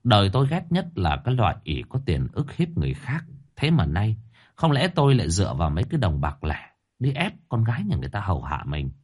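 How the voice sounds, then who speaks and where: Male storyteller, low voice, lively melodic pitch, first-person narration. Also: fast talker, husky. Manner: expressive, dramatic storytelling.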